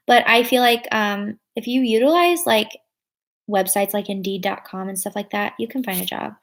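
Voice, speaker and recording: Young woman vlogging, chatty and rambly, tons of likes and ums, gravelly fry. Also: medium pitch. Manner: rambling, filler-heavy, lots of "like" and "um"; thinks aloud and corrects herself. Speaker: vlogger answering viewer comments. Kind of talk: casual live chat.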